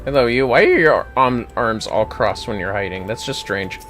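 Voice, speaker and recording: Livestreamer, casual and salty, mid-range lively voice, mutters while playing, music underneath. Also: mid-range voice, moderate pace. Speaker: livestreamer playing an online fantasy game. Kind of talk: casual gameplay commentary. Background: game music.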